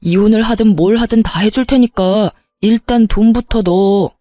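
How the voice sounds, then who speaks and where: A woman voicing a young husband who begs, then shouts and threatens, in a narrated story. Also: mid-range voice, moderate pace, no echo, studio quality, faint music behind, close to an everyday voice. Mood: angry. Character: pleading, hot-tempered young husband. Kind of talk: storybook narration with acted dialogue.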